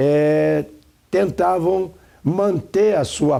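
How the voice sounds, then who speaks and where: A man speaks with a dark, mellow tone. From northern Paraná, Brazil. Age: 60s. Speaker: former student activist. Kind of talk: testimony. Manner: halting, many fillers.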